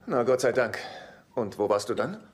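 An actor in a German sitcom dub playing an anxious, fussy, exasperated younger brother who frets and pleads. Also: male voice, mid-range voice, animated, moderate pace, lightly acted. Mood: scolding. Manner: fretful, pleading. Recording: TV soundtrack with noticeable noise.

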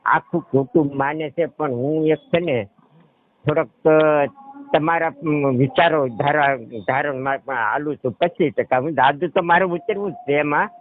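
A man's voice: fairly high pitch, normal speed, a little hiss or hum. Gujarati man on a tinny phone line. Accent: Saurashtra Gujarati. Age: middle-aged. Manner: repeatedly checks the listener understands. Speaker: caller. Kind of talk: rambling personal account on a phone call. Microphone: telephone. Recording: tinny narrowband phone call recording.

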